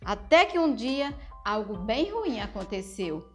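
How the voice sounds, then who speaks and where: A woman narrating a Christian story for children, often asking the young listeners questions in a gentle, teaching tone. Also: medium pitch, big pitch swings, measured pace, soft background music. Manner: speaks to children with frequent questions.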